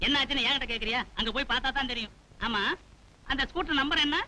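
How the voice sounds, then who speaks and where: An actor playing a hot-tempered elder brother who shouts and threatens in a comic scene. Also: male voice, very high voice, racing, slight background noise, exaggerated voice, rough recording. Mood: angry. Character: hot-tempered older brother, loud and blustering. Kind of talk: 1990s Tamil film comedy.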